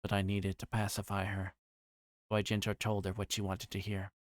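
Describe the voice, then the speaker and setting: A man's voice: on the low side, completely flat delivery, moderate pace, no room sound, clean studio sound. A man livestreaming a visual novel, reading the narration aloud with casual asides and occasionally stumbling over and repeating lines.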